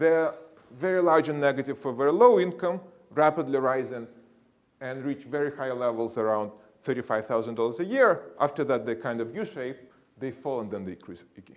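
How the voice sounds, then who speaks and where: A man speaks with a non-native accent. His pace is fairly quick. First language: not English. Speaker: economics professor. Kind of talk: academic conference lecture. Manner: halting, repeats words.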